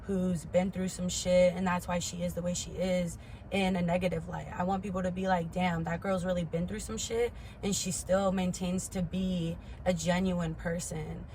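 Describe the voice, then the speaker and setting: A woman's voice: fairly low pitch, level tone, normal speed, darkish tone, slight background noise, low-quality recording. A woman in her twenties giving a candid personal talk to camera, stressing points emphatically by repeating words. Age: 20s. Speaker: vlogger.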